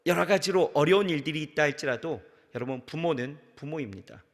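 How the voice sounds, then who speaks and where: A pastor preaching a sermon to his congregation, speaking right to them and acting out the voices of the people in his stories. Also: high-pitched. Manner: animated preaching, acts out quoted voices, addresses congregation directly. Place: large church sanctuary. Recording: reverberant large church sanctuary.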